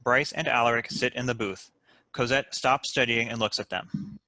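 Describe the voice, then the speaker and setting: A man's voice: mid-range voice, fairly even intonation, normal speed, bright, forceful tone, no echo, low-quality recording. A man reading stage directions as scripted narration at a table read.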